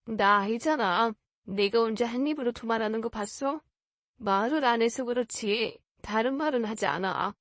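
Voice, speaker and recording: Storybook fiancé, a gentle quiet young man, voiced by a woman, plain and earnest, a little higher than most, close and dry. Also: no room sound, close to an everyday voice.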